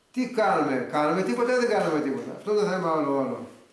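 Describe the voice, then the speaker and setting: A man speaks with lively intonation. There is audible echo from the room. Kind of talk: religious talk to a group. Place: hall. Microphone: old recording.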